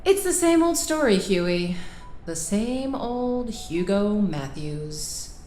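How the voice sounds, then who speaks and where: A woman's voice: lively intonation, takes it slowly, darkish tone. An actress with an American accent playing a fierce, wounded young woman with a sarcastic, emphatic way of talking in an audio drama. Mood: bitter, accusing. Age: young adult. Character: fierce, wounded young woman lawyer scolding old friend. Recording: roomy sound with faint rumble.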